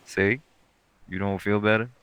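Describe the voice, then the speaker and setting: A man's voice: lowish voice, steady tone, a little slow, natural voice, low-quality recording. A man playing a sweet, caring, teasing boyfriend in an intimate audio roleplay, speaking laid-back, coaxing slang with an African American Vernacular English accent. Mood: gently firm.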